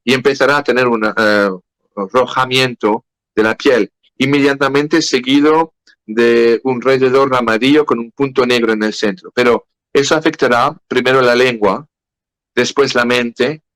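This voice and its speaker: A man with a French accent speaking Spanish as a second language in a podcast interview, halting and searching for words. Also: medium pitch, fairly bright tone, no room sound, poor audio. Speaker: guest.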